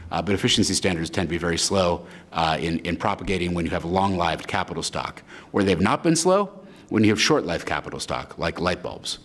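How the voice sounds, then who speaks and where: A man with a very deep voice explains policy on a panel. He speaks in long, fluent sentences that run on without pause. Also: lively intonation, a bit bright.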